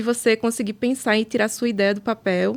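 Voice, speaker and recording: Her voice sits fairly high for a woman, with ordinary pitch variation. She talks at a moderate pace. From Brazil, Recife (Pernambuco). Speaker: accountant and startup financial consultant. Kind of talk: podcast interview.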